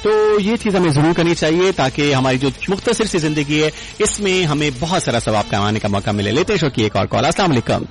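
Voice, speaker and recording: A male radio host with a fairly high voice, speaking with courtesy and formal address to his callers. He talks slowly and pauses to gather his words. Faint music plays behind him. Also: expressive, poor audio. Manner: courteous, addresses listeners formally, slow with drawn-out hesitations. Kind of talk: radio call-in chat with moral advice.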